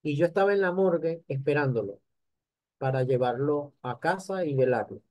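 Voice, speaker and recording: An older man giving an animated motivational lecture, speaking straight to his audience. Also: a little high, normal speed, no echo. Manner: animated, addresses the audience directly. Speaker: conference speaker.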